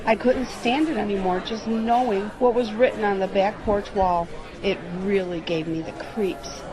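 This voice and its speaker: A woman acting in an audio drama as an expressive, chatty friend. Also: medium pitch, normal speed, close to an everyday voice, low-quality recording. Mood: uneasy. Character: rattled woman, playful old friend, nostalgic for her teens. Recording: busy public background chatter.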